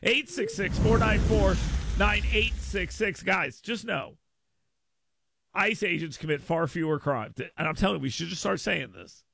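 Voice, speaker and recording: A man's voice: high-pitched, measured pace, creaky, fairly bright tone, slightly rough, dry recording. A man hosting a talk radio show with a brash, sarcastic, riffing manner. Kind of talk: talk radio monologue with live read ad.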